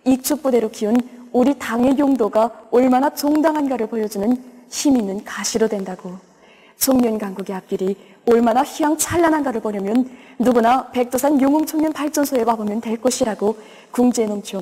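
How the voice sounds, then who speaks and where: A woman's voice: a little high, fairly quick, warm tone, husky. A woman with a North Korean accent narrates television news from a script in a solemn, reverent, declamatory way. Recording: long hall-like reverberation.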